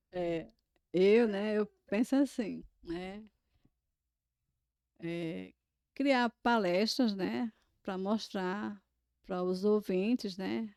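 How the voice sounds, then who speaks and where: A woman's voice: mid-range voice, a little mellow, no echo, studio quality. Chatty woman explaining things. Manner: explanatory, demonstrative, peppers speech with "né" and "ó". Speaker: sign language interpreter, guest. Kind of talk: casual podcast conversation.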